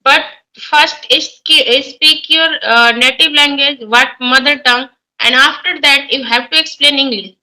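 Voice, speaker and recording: Indian woman, teacher, halting speech full of fillers, very bright tone. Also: high-pitched, low-quality recording. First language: Hindi. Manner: hesitant, many fillers and restarts. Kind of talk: casual conversation practice.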